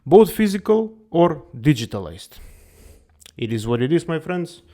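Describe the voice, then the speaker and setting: A man's voice: fairly high pitch, very animated, measured pace, mellow. A man hosting a comedic finance show, playful and exaggerated, repeating "my friends" again and again. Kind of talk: comedic character monologue.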